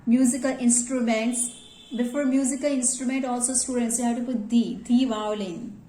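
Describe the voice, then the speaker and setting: Woman, school grammar teacher, high mellow voice, patient and repetitive. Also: fairly even intonation, moderate pace, roomy sound, poor audio. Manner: addresses students directly, repeats "yes" as a check. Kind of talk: classroom grammar lesson.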